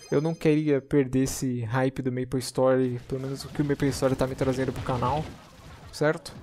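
Over background music, a man speaks at a moderate pace in a medium pitch with monotone, flat intonation. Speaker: gaming youtuber. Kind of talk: casual vlog monologue.

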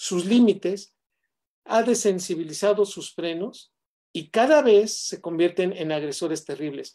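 A man with lively intonation at a moderate pace, over a quiet background. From Mexico. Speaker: neuroscientist; guest. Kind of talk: interview, explanatory talk. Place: home room. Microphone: video call.

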